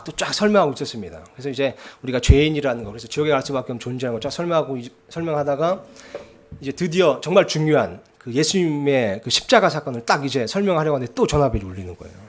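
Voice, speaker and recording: A man preaching a sermon in a church, telling a story in a conversational way and often checking in with the congregation. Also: mid-range voice. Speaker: pastor. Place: church sanctuary.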